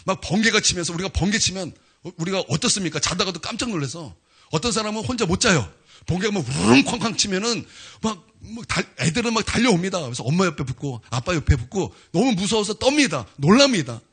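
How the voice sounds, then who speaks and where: Husky guy pastor preaching, kinda high voice, jokey and chatty then really emphatic. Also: big pitch swings, fast talker, a bit bright. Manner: casual, humorous storytelling with many fillers; emphatic, exclaiming declarations. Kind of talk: sermon.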